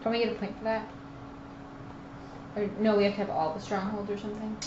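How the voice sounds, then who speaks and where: A woman of middle pitch chats over a tabletop game, prompting the others with questions. The sound is dull and roomy with clear background noise. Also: little pitch movement, a little fast. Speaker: player on a live tabletop stream. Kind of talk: casual chat over a board game. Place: room around a game table. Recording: muffled, noisy, echoey room recording.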